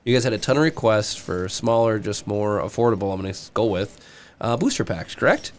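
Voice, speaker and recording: A man's voice: lowish voice, expressive, brisk. A man hosting a podcast in an enthusiastic, casual conversational way. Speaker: podcast host. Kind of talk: casual chat.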